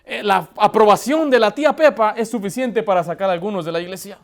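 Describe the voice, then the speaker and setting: A man's voice: high-pitched, fast talker. A man who is a pastor preaching a sermon, telling family stories and addressing the congregation directly. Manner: storytelling with acted quotes and direct address.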